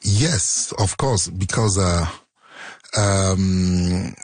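Man with a low husky voice. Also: drawn-out words, darkish tone, no room sound. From Cameroon. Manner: hesitant, many fillers and restarts. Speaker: musician guest. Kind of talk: interview conversation.

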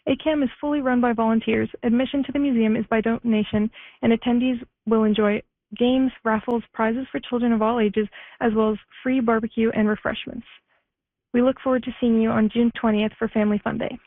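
A woman's answering machine message comes through a thin, tinny phone line, dry and close with no room around it. Her pitch sits a little high for a woman. She reads a scripted announcement in an even, steady manner, as a museum staffer calling in. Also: a little fast, no echo. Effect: answering machine voicemail message played on air. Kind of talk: read-out community announcement.

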